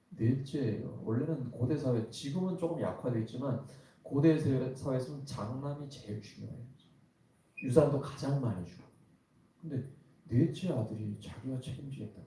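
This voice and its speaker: Guy preaching a sermon, warm low-key voice, big echoey church sound. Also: normal speed. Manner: conversational preaching with rhetorical questions to the congregation. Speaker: pastor. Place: church worship hall. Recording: very echoey hall, voice from some distance.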